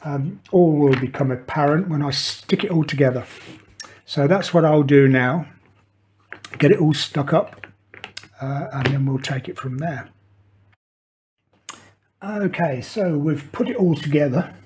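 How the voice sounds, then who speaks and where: A man's voice: fairly high pitch, measured pace, pauses often, darkish tone, a little hiss or hum. An older man who explains a model-making build in a casual, hesitant way, with many fillers and restarts. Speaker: model maker demonstrating. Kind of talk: hobby tutorial, casual talk while working. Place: indoor workshop table.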